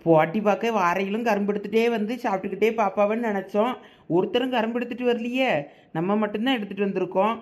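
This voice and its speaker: A woman voices a cartoon villager in a middle-pitched voice with a Thoothukudi Tamil accent. She talks fast, explaining herself and coaxing her friend. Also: darkish tone. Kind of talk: cartoon voice acting.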